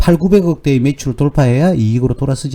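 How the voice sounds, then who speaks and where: Somewhat breathy and dark, mellow in tone, a man speaks at a fairly quick pace. His intonation is lively. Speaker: stock market commentator. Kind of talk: market analysis talk. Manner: fast.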